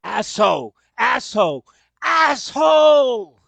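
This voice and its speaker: A woman playing a rowdy wrestling fan, chanting and heckling in loud, drawn-out cries at a staged reading. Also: a little high, big pitch swings, creaky, heavily acted. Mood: jeering.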